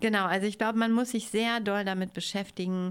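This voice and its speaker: A plain, everyday voice at a moderate pace with fairly even intonation, in a very clean recording with a silent background. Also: woman. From northern Germany, Angeln region of Schleswig-Holstein. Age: 40s. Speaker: tiny-house project organiser. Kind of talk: interview.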